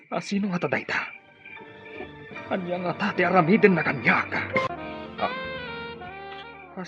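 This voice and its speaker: An actor playing an anxious captive tribal leader in an Ilocano radio drama, with agitated, gasping exclamations. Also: male voice, medium pitch, natural voice. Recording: muffled radio drama, loud background music.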